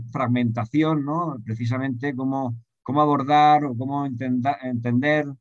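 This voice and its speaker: A man's voice: mid-range voice, no echo. A man with a Spanish accent from Spain asking a rambling, hesitant question in a seminar, often adding tag questions. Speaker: discussion participant. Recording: slightly dull, lo-fi, dry.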